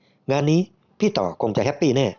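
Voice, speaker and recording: A man voicing an excitable businessman partner who exclaims eagerly as he talks. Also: a little fast, highs cut off, close to an everyday voice.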